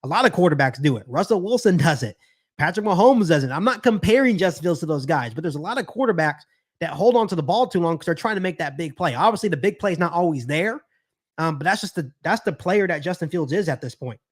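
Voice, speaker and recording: A high-pitched male voice with an American accent does live football play-by-play for a fan stream. He talks conversationally, repeats phrases as he works through a point, and answers viewers along the way. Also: expressive, quick pace. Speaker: sports podcast host doing live play-by-play.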